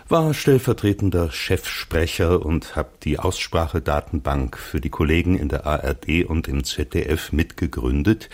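An older man with a light Mainz accent talks in a low, slightly husky voice. His diction is crisp and trained from decades of newsreading, and he leans on words with lively emphasis. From Mainz, Germany. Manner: trained, articulate broadcast delivery with lively emphasis. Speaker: retired radio newsreader, guest. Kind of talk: radio interview over a line.

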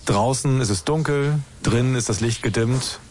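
A man narrating a documentary podcast in a calm, scripted storytelling manner with a lightly wry tone. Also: medium pitch, normal speed, slight background noise.

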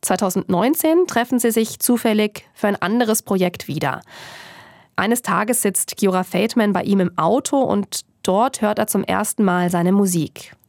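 Calm woman narrating a documentary. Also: medium pitch, no echo, studio quality. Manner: calm, measured storytelling. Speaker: radio journalist and narrator.

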